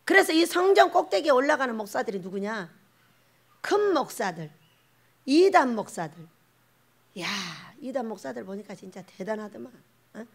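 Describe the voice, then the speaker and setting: Woman preacher w a high voice, goes loud then hushed, laughs a lot telling stories. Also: big pitch swings, normal speed, pauses often. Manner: swings from loud exclamations to hushed asides, laughs often. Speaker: pastor. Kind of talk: lively Sunday sermon with storytelling.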